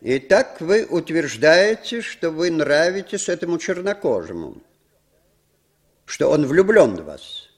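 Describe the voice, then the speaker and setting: A smooth cold spy boss in an old radio drama, calm and in charge. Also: male voice, fairly high pitch, a little slow. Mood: condescending. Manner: smooth, condescending, controlled. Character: cool, commanding male spymaster boss.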